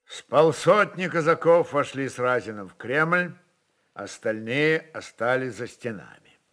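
A man narrating a literary work in a dramatic, expressive style, with emphatic phrasing and weighty pauses. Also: medium pitch.

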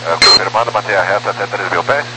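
A man's voice: on the low side, very noisy. A man, a pilot, reading back instructions in terse radio phraseology, heard over an aviation radio link like a walkie-talkie. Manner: brisk, terse readbacks. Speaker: airline pilot.

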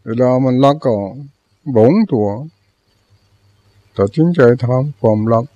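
A man's voice: mid-range voice, slow, warm tone, no room sound, dull audio. An older man, a Buddhist monk, giving a Dharma talk with plain storytelling and repeated teaching phrases.

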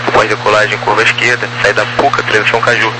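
Male air traffic controller, monotone, mid-pitched, procedural clearances, heavily crackling radio. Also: quick pace. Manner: procedural, digit-by-digit phrasing. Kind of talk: aviation radio communication, issuing clearances. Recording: very noisy, crackly radio transmission.

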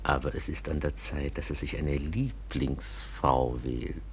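A man's voice: rumbling low, a little hiss or hum. A man playing a dignified, devout, wealthy older Arab merchant in a radio drama, speaking ceremoniously and persuasively. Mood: courtly, persuasive. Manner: ceremonious, measured, flowery formal speech. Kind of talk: literary radio drama acting.

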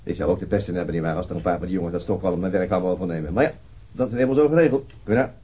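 An actor playing a weary, matter-of-fact police detective in a naturalistic radio drama, laconic and dryly explanatory. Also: male voice, low voice, rapid-fire, mellow, breathy edge. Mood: conciliatory.

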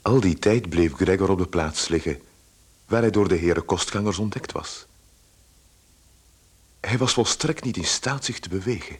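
A man narrating a radio drama from a script in a measured, literary manner. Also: deep voice, husky.

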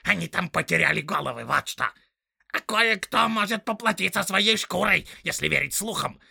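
Guy putting on a whiny mean little orc, snippy and raspy. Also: sits high, animated, moderate pace, pushed and bright, no room sound, clean studio sound, pitched above the performer's own voice, heavily acted. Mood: snarling. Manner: whining, snarling, mocking. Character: small spiteful male orc tracker, sneering.

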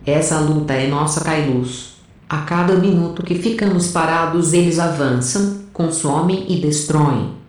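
A woman's voice: sits low, unhurried, darkish tone. An actress playing a defiant, foul-mouthed female rebel soldier, brash and insistent, in an audio drama. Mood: defiant, urgent. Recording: very echoey, slightly distant.

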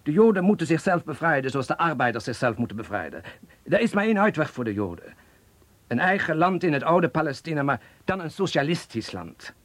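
An actor playing an earnest, bitter Jewish socialist refugee from Poland, speaking emphatically in a Dutch radio play. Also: male voice, fairly high pitch, sing-song, a little fast, no room sound. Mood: fervent. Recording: noisy archived radio play recording.

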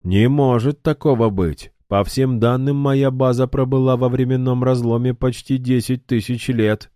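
A man's voice: mid-range voice, steady tone, warm tone, no echo, clean studio sound, pitched above the performer's own voice, natural voice. A man voicing a hot-tempered young fighter who taunts and snaps at his foe in a raised voice. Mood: suspicious. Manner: sarcastic, taunting, quick to anger.

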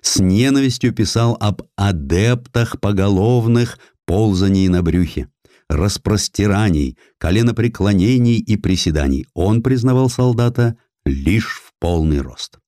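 A man reading a historical essay as an audiobook narrator, measured and declamatory, with deliberate pauses. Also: on the low side, expressive, dark tone, no room sound, studio quality.

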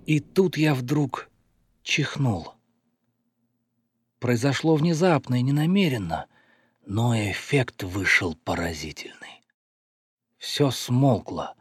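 An actor narrating as a sour writer in a dry, wry manner in a radio play. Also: male voice, on the low side, slightly rough, no room sound, full character voice. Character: sour middle-aged male writer narrating.

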